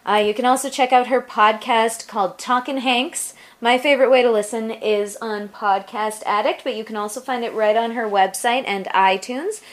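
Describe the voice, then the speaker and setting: Woman doing casual podcast host chat, kinda gushy, normal mid pitch. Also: fairly even intonation, normal speed, hardly any pauses. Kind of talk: casual chatty podcast talk.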